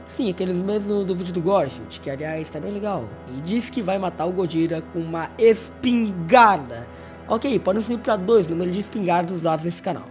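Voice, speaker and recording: A man's voice: sits high, lively intonation, fairly quick, soft background music. A man with a Brazilian accent narrates a story recap as a video host, in a casual scripted style with informal, wry asides. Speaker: YouTube host narrating horror series recaps.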